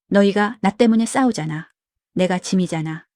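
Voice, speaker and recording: A woman's voice: mid-range voice, darkish tone, no echo, studio quality, close to an everyday voice. A woman voicing a demanding, easily offended elderly father-in-law in a read-aloud story. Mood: ashamed. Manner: complaining, quick to take offense.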